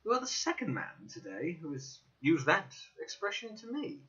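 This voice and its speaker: A man voicing an amiable, astonished, gossipy young gentleman in a dramatic audiobook, with an exclamatory, inquisitive way of talking. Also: on the high side, huge pitch swings, normal speed, dull audio, voice pushed up, exaggerated voice. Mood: intrigued. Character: young Stamford, amiable, astonished, gossipy male old acquaintance.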